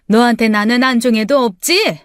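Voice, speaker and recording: A woman's voice: on the high side, moderate pace, smooth, dry recording, studio quality, lightly acted. A woman voicing a bitter, self-pitying middle-aged mother who scolds shrilly and snaps back sharply. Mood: indignant.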